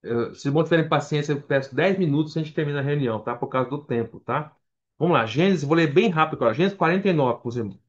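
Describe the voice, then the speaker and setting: A man's voice: on the high side, rapid-fire. A Brazilian man preaching a Bible study at church, conversational, reading scripture aloud between casual remarks. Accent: Brazilian Portuguese. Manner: conversational, reads scripture aloud, frequent fillers. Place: church meeting hall. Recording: dull lo-fi church recording.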